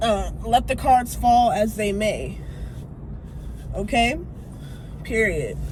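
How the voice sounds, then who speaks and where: Long, frequent pauses break up a woman's speech, with audible room echo and noticeable background noise. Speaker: tarot reader. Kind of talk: spiritual guidance monologue. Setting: in a car in a garage. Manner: loud; casual.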